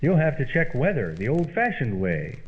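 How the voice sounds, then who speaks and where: A man's voice: mid-range voice, huge pitch swings, normal speed. A man playing a wry, sceptical housemate in an old-time radio comedy, speaking in theatrical rhyme. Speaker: comedy show co-host. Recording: muffled, very noisy old-time radio sound.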